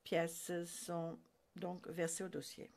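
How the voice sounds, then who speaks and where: A woman speaks in a formal courtroom register at a very slow, deliberate pace, with her voice sitting on the low side. She pauses often with small hesitations as she works through the procedural wording. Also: monotone, vocal fry, darkish tone. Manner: slow, measured, with frequent hesitations.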